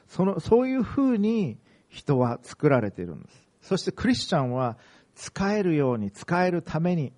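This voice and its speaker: A male pastor delivers a sermon in measured, deliberate phrases, pausing between thoughts. His voice sits a little high, and his pitch rises and falls in a lively way as he preaches.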